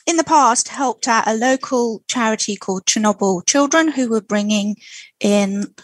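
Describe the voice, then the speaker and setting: A middle-aged woman from Russia whose native tongue is Russian answers an interviewer in a measured, reflective way. Her voice sits slightly high. It is recorded dry, with no room sound. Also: no echo. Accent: near-native English. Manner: thoughtful, measured, with frequent ums. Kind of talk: radio interview.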